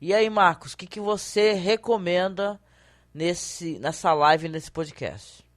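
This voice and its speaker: A Brazilian woman hosting a casual podcast, very hoarse from a cold, with a deep, guttural, smoker-like rasp. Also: takes it slowly. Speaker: podcast host.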